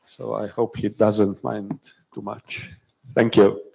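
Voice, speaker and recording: A man moderating a conference session, speaking hesitantly with many pauses. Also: fairly low pitch, level tone, creaky, mellow, dull audio, a little hiss or hum. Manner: hesitant, lots of pauses and fillers. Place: conference hall.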